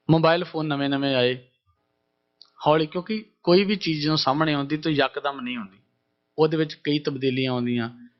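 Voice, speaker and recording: A man giving a religious discourse, explaining scripture and slowly chanting its verses. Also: medium pitch. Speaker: Sikh preacher. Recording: dull lo-fi broadcast sound.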